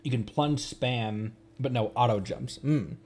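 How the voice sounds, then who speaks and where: Slightly slow and a little mellow, this man's medium-pitched voice comes with a touch of hiss or hum. As a game livestreamer, he rambles casually, talking through his thoughts and often second-guessing himself over the game's music.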